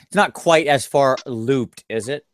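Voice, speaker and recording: A man hosting a casual tabletop gaming podcast, tired after a long day and talking in an animated, self-deprecating ramble. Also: medium pitch, measured pace, no room sound, studio quality. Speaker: podcast host. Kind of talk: casual chat.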